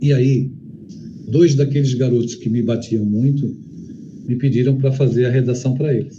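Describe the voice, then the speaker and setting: Room echo is audible as a man talks at a moderate pace and medium pitch. His intonation stays fairly even, broken by long, frequent pauses. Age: 60s. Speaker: writer. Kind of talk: interview answering children's questions.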